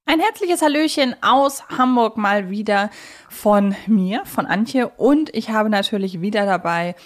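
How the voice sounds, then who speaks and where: A woman's voice: mid-range voice, animated, measured pace. A woman hosting a podcast in a casual, chatty, informal way. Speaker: podcast host. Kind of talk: casual chat, podcast discussion.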